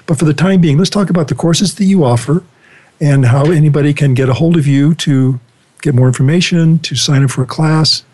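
A man's voice: a little high, brisk, darkish tone. A man hosting an interview, asking long, rambling questions that often correct themselves partway through. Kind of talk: conversational interview.

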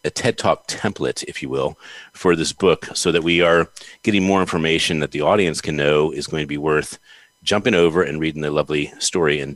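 A man's voice: rumbling low, dry recording. A man hosting an interview podcast, talking in an effusive, appreciative way and laughing easily. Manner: effusive, warmly appreciative, giggly. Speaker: podcast host. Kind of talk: interview conversation.

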